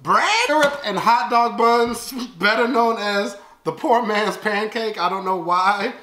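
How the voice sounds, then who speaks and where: An American man in his thirties hosts a food-tasting vlog in a large open living and dining room at home, chatting comically with viewers and exclaiming expressively as he eats. His voice is high-pitched with a sharp tone, a little slow. The recording has a roomy echo and clear background noise.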